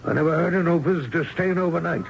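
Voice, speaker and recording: An actor playing a surly, bullying security enforcer in a radio drama, speaking gruffly and ungrammatically in a gravelly voice. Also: male voice, a little high, fairly even intonation, fast. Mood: menacing, suspicious. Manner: gruff, uneducated, ungrammatical speech. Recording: dull, noisy old radio recording.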